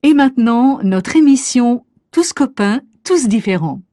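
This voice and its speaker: Mellow-voiced woman host. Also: fairly high pitch, lively intonation, unhurried, no echo, studio quality. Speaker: show host in a dialogue. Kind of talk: scripted slow-paced learner dialogue.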